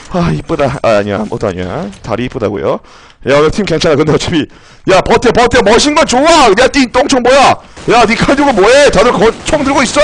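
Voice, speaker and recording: A man streaming a game live, excitedly shouting orders at his teammates and breaking into mock-grand commands. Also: sits high. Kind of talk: live gameplay commentary. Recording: noisy game audio behind.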